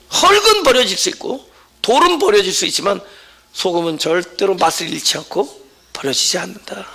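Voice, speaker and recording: A man's voice: high voice, gravelly, bright, forceful tone, slight background noise. A man preaching a Sunday sermon as pastor at a church service, talking conversationally and often checking in with the congregation.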